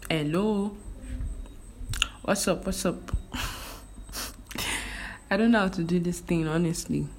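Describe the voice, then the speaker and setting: A young Nigerian woman chats casually on her vlog, using lots of fillers and restarts. She speaks English with a Nigerian accent, Igbo being her first language. Her voice is lowish and she takes things slowly, with faint background noise behind her.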